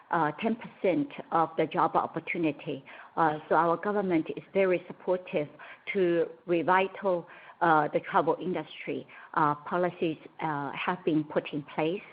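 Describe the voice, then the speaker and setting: A woman with a very low voice comes through a narrow, tinny phone line. She is a company executive giving answers on an earnings call, in a measured way that halts between short phrases.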